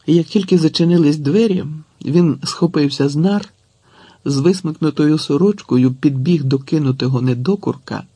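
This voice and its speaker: A man reading a literary story aloud in an expressive audiobook narration. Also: medium pitch, husky, no room sound.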